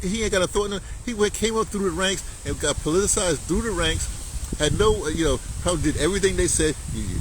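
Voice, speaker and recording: An older man of seventy-five holds forth in a loose, rambling monologue, looping back on himself and dropping in slang. His pitch swings widely as he talks. A faint hiss of noise sits behind him. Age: 70s. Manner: rambling, chuckling, uses black slang. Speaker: commentator. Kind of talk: casual monologue.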